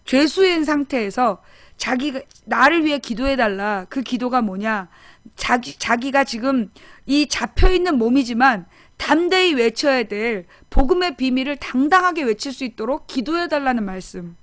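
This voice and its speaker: Middle-aged woman hosting a casual political stream; slightly high, insistent delivery with repetition; dry close-miked sound. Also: normal speed, dry recording. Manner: emphatic, animated, repeats phrases for effect. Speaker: political talk show host. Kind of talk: casual live-stream monologue.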